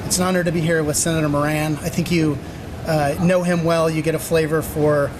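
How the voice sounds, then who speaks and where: A man giving a public speech as an airline executive, halting and often pausing to find his words. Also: flat delivery. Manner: halting, frequent hesitant pauses. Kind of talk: public speech at a press announcement. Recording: noisy event, urban background rumble.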